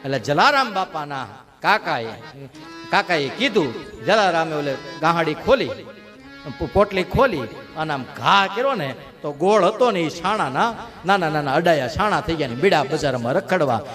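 A man telling a devotional story as a sermon, dramatic and lively. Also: on the high side, normal speed, faint music behind. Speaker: religious storyteller.

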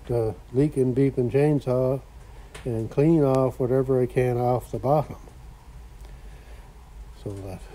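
A man's voice: medium pitch, dark tone, slight background noise, rough recording. A man rambling in a folksy way while filming in his cluttered home workshop garage. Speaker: vlogger. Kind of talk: casual workshop vlog.

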